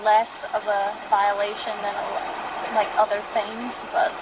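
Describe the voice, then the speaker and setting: A woman's voice: medium pitch, level tone, unhurried. A woman under arrest talking casually, picked up by an officer's body camera. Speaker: arrested driver. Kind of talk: casual conversation. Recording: very noisy bodycam audio near vehicles.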